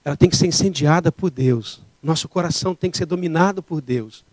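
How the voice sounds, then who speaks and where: A man's voice: fairly high pitch, a little fast, a little mellow, dry recording. A man preaching a sermon as pastor, emphatic and full of rhetorical questions.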